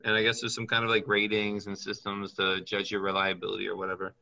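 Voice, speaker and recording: A man's voice: fairly low pitch, monotone, fast, creaky, pushed and bright, lo-fi sound. A man working as a business consultant, talking in a chatty way and thinking aloud as he reads up on things during a call. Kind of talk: casual advice call.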